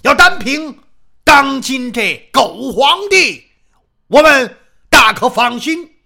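A storyteller voicing a burly, boastful mountain guardian with a loud, hollow, booming voice who declaims and blusters. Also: very animated, takes it slowly, full character voice. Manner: blustering, declaiming, laughs heartily.

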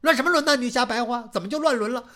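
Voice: medium pitch, racing, sharp tone, voice pushed up, natural voice. A storyteller voicing a greedy, lecherous old father-in-law who bullies and swears. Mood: scheming. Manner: coarse, bullying, swearing.

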